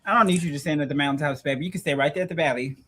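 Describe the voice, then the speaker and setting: A woman's voice: deep voice, very fast, a bit bright, husky. A trans woman on a podcast panel, trading blunt, sassy quips in casual group talk. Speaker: podcast co-host.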